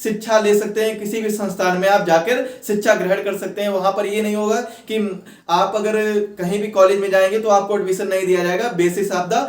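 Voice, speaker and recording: High-voiced man teaching, roomy and distant. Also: flat delivery, brisk, few pauses. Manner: repetitive, rephrasing points step by step; mixes English terms into speech. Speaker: exam-prep teacher. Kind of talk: explanatory lecture for exam students. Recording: roomy echo, distant from mic.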